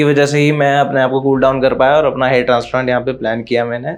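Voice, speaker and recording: Music plays in the background as a man speaks at a moderate pace. His medium-pitched voice stays monotone and flat. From Uttar Pradesh, India. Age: 20s. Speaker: hair transplant patient. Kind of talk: testimonial.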